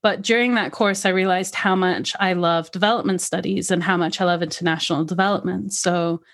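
A woman who grew up in Africa, with an accent that mixes American, British and Scottish traces, telling her life story lively in an interview and laughing often. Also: fairly low pitch, fairly quick. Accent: mixed, with American, British and Scottish traces. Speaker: podcast guest. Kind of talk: conversational interview.

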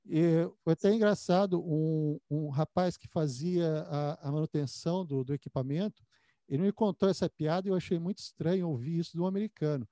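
A man's voice: fairly high pitch, fairly quick, dark tone, no echo, studio quality. A man interviewing a guest in casual conversation, often repeating words while he thinks.

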